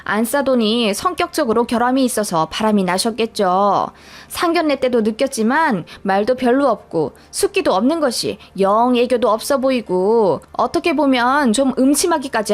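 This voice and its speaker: A woman's voice: a little high, lively intonation, moderate pace, lightly acted. A woman voicing a nosy, greedy older mother-in-law who insinuates and justifies herself. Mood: insinuating. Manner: prying, self-justifying, insinuating.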